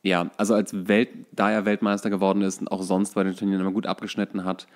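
Low-voiced man in casual sports chat. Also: little pitch movement, fast. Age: 30s. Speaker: podcast co-host.

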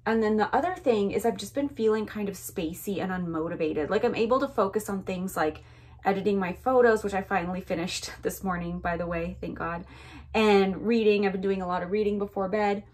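A raspy-voiced woman in her thirties talks to her camera at home, easygoing and chatty. Her pitch sits in the usual middle range for a woman, and she drifts through thoughts with relaxed fillers. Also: brisk. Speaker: vlogger. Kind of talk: casual vlog chat to camera. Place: home rooms and outdoors at a cemetery.

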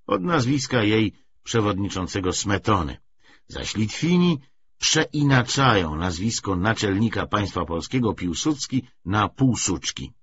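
A man reading a literary audiobook in an expressive, measured way with deliberate phrasing. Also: on the low side, husky, dull audio. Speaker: audiobook narrator.

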